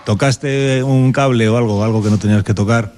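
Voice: medium pitch, fairly even intonation, brisk, background noise. A reporter asking chatty, friendly questions in a classroom and laughing often. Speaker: reporter interviewing in a school. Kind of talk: casual interview. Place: rural classroom.

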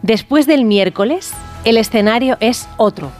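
A woman reporter reading a scripted news report in a measured, steady way. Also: on the high side, soft background music.

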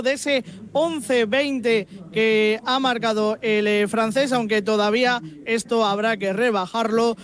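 A man with a strikingly high voice reports on cycling live for radio. He builds his sentences a little hesitantly as he gives race updates. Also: a bit bright.

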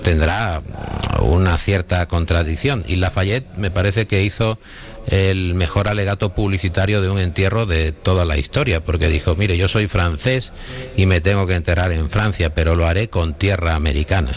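A man speaking in a measured, hesitant way as a panelist in a roundtable debate. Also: low voice. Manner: measured, hesitant, with filler pauses.

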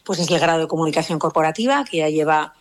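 A woman university official speaking in a recorded interview clip, measured, with frequent fillers and tag questions. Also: low voice.

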